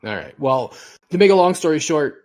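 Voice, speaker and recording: A man's voice: on the high side, animated, fairly quick, darkish tone. Rambling man hosting a podcast. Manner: rambling storyteller. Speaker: podcast host. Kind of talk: casual chat.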